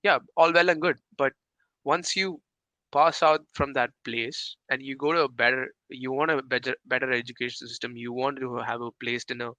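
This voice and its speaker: Young indian guy podcasting, sharp bright voice, keeps restarting sentences, dry mic. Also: mid-range voice, steady tone, normal speed, no room sound, low-quality recording. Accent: Indian English. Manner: hesitant, many fillers and restarts. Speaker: podcast co-host. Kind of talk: casual podcast chat.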